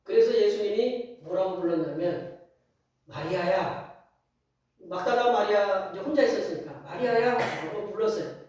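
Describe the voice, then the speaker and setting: A man's voice: high-pitched, brisk, darkish tone. A man preaching as pastor in a folksy storytelling sermon, acting out scenes and asking the congregation questions. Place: church sanctuary. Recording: very echoey hall, distant mic.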